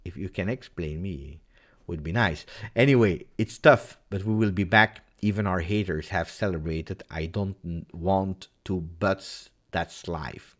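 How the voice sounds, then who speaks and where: A man with an Italian accent chatting on a live stream as an emotional football fan, theatrical, with repeated phrases and dramatic pauses. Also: low-pitched. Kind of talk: casual live-stream chat.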